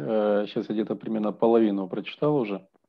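The man talks fairly quickly, and the background is quiet. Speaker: company co-founder. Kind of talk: online group discussion. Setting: video call. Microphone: video call.

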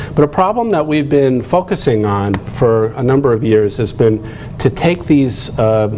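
Over light background noise, a man talks at a moderate pace. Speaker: invited scientist lecturer. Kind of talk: lecture. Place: hall.

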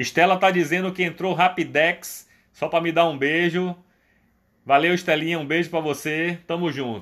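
Over a quiet background, a man with a high pitch speaks at a moderate pace. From Brazil. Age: 50s. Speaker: former reality show contestant; streamer answering followers. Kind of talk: casual live stream Q&A; casual live stream chat. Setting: Instagram live stream. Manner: animated. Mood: relaxed, sometimes heated. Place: home room. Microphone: phone near.

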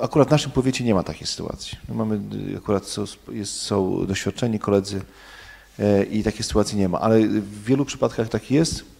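With ordinary pitch variation and a fairly low pitch, a man talks at a very fast pace. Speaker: local government official. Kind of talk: speech at public meeting. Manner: halting. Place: meeting room. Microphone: podium.

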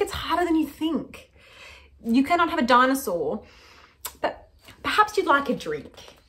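Pausing long and often, a woman with a strong Australian accent speaks in a high pitch with very wide pitch swings. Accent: broad Australian. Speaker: children's book reader. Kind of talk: reading aloud.

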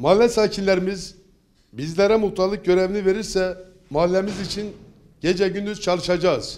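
This man's high-pitched voice moves at a moderate pace with fairly even intonation. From Turkey, Elazığ; Turkey. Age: 40s. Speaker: local election candidate; election candidate. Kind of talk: campaign speech. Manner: formal. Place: office. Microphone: handheld.

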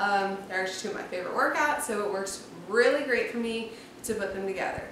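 A woman speaks with fairly even intonation in a room with audible echo and light background noise. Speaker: fitness vlogger. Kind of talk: casual vlog chat. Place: gym. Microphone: camera far.

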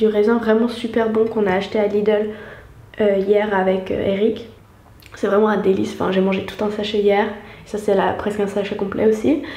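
With noticeable background noise behind her, a woman speaks at a medium pitch in a monotone, flat intonation. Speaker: vlogger. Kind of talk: casual vlog.

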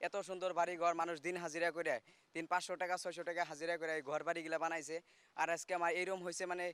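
A man's high-pitched voice in a monotone, flat intonation. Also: dry, close sound with no echo. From Goalpara, lower Assam, India. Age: 20s. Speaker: villager facing eviction, college student. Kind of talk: street vox pop interview.

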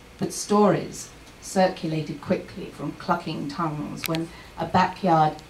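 Noticeable background noise is present. A woman is speaking. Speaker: actress. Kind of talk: book excerpt reading. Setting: live bookstore event. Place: shop. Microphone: camera far.

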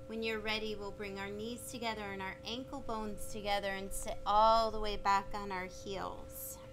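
A woman's calm, soothing voice at a moderate pace, with music in the background. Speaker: yoga instructor. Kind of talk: guided yoga class with calm spoken cues. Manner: calm, soothing, instructional; steady, measured pace with friendly warmth. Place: garden. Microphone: studio mic.

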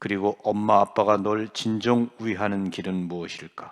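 A man with a fairly low voice speaks very slowly in a flat monotone, on a very clean recording with a silent background. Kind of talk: reading aloud.

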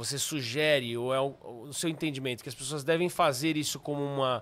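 His pitch sits fairly high for a man. He keeps to a moderate pace. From Brazil. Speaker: podcast interviewer. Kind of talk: interview conversation. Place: studio. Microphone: studio mic.

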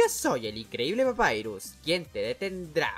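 A man does a cartoonish character voice, fairly high and fairly bright, with very wide pitch swings. He keeps a fairly slow pace while faint music plays in the background.

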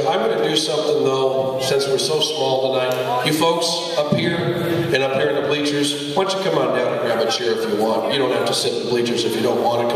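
Amid noticeable background noise and strong room echo, a man speaks at a fairly quick pace with ordinary pitch variation. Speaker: wrestling ring announcer. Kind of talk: live event crowd address. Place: hall.

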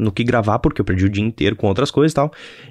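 The speaker uses lively intonation with a southern Brazilian accent in a very clean recording with a silent background. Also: man. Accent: southern Brazilian (gaúcho). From Brazil, Rio Grande do Sul (Novo Hamburgo). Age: 20s. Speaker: podcast host and entrepreneur. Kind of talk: casual solo talk. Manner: halting, many repetitions and fillers. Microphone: testing new audio setup.

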